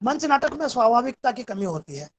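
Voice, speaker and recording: Brief: female lecturer, high voice, calm and methodical, walks students through each point of a recorded class. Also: a little fast. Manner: explanatory, steady and methodical.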